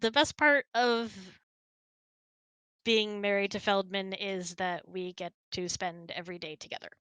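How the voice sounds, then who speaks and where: A woman's voice: medium pitch, fairly even intonation, measured pace, a bit bright, clear, resonant tone, no room sound. A woman hosting a casual chat, answering questions and telling stories. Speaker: host answering audience questions.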